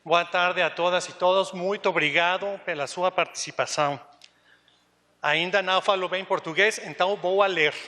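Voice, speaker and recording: Man, high voice, measured prepared speech, large reverberant hall. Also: fairly even intonation, pushed and bright. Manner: measured reading with some restarts. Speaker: UN agency representative. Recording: distant mic in a reverberant hall.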